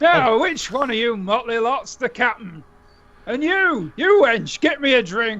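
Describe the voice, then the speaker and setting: A man shouts in a put-on character voice, gruff and raised, pitched extremely high. He speaks at a fairly slow pace with very wide pitch swings. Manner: shouting, gruff, demanding.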